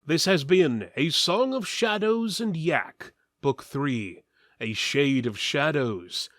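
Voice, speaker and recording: A man's voice: on the high side, expressive, slow pace, a bit bright, dry recording, clean studio sound. A man giving a dramatic, mock-epic reading of a fantasy tale as its narrator. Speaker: narrator, reader.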